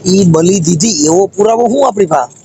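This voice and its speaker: A man's voice: sits high, expressive, normal speed, dark tone, slight background noise. A man with a Saurashtra Gujarati accent giving blunt, folksy advice in a casual phone conversation, explaining as he goes. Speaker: mediator taking calls. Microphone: phone call.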